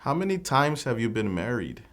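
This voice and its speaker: Brief: man, mid pitch, formal officer asking steady scripted questions. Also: normal speed. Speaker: mock immigration officer. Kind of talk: scripted mock interview.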